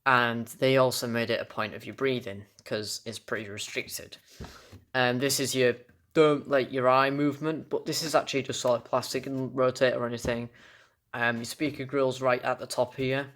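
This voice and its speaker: Reviewing a collectible on video, a young British man who collects toys speaks casually and without a script. His mid-pitched voice is fairly bright, and his halting delivery trips over words before he corrects them.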